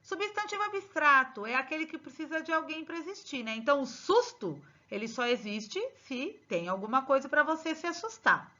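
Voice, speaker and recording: A bright-voiced woman teacher works through exercise answers with her pupils, dwelling on each word. Her high voice swoops up and down as she stresses every answer, and the recording is dull and lo-fi. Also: sing-song. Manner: slow, emphatic, spelling out answers to pupils. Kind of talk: exercise correction lesson.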